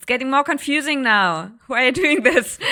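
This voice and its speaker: A woman with a non-native accent speaks at a high pitch and a moderate pace, her intonation lively. Music plays in the background. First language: not English. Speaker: game studio marketing person hosting a dev stream. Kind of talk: casual livestream chat while playing a game.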